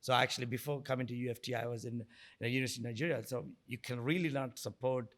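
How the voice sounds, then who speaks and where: A man's voice: mid-range voice, steady tone, racing, a bit bright. A middle-aged man from Sri Lanka answering interview questions conversationally as a guest, often repeating words and rephrasing as he goes. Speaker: guest, entrepreneur and investor.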